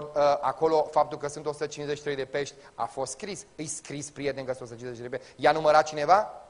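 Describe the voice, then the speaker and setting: A man with a Romanian accent preaching a sermon to a congregation in a colloquial way, his delivery swinging from loud exclamations to low murmurs. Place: church before a congregation.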